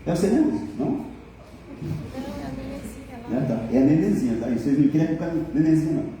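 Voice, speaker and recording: A man's voice: on the high side, lively intonation, fairly quick, mellow, a little hiss or hum. A middle-aged man, preaching a humorous sermon and teasing his congregation. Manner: joking, teasing the congregation, mimicking people. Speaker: pastor. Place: church hall. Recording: echoey hall from a distant mic.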